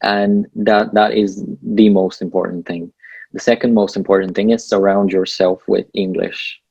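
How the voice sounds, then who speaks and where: A man's voice: lowish voice, normal speed, creaky, husky, no echo, muffled recording. A young man from Bulgaria with a Bulgarian accent, speaking English as a second language and giving earnest advice as a guest in a casual interview. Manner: relaxed, earnest, laughs between points. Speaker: guest, PhD student.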